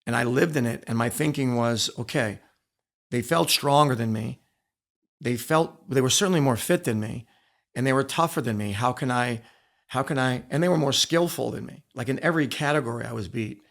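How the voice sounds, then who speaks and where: Gravelly-voiced man telling stories emphatically. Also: mid-range voice, a little fast, a bit bright. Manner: emphatic, repeats phrases for weight. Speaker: interview guest, former wrestler and coach. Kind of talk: candid storytelling in a podcast interview.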